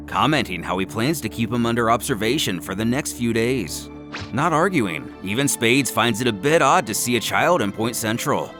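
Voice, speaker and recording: A man giving an animated, dramatic scripted narration of a manga story, as a narrator and host. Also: medium pitch.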